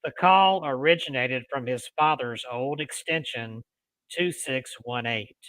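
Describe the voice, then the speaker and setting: Man reading ghost stories, bright dry voice. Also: medium pitch, unhurried, dry recording, poor audio. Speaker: host of a paranormal storytelling show. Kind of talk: reading ghost stories aloud with casual asides.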